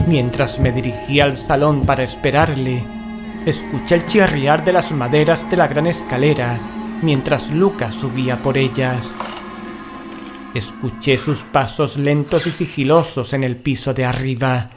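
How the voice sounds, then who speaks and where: An actor playing a frightened, cautious paranormal investigator in a horror audio drama, grave and dramatic. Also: male voice, mid-range voice, measured pace, over music, natural voice. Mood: dread. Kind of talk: first-person horror audio drama narration and acting.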